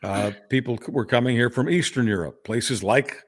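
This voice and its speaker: A man's voice: medium pitch, normal speed. An older man born in Hungary, co-hosting a political podcast, speaking earnestly and often restarting his phrases. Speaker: podcast co-host. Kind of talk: casual political discussion.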